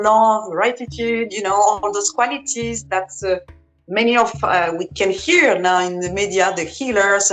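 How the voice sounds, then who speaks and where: A woman's voice: mid-range voice, a bit bright, poor audio. A woman with a French accent, a holistic practitioner explaining spiritual ideas earnestly in English while searching for words. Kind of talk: spiritual teaching conversation.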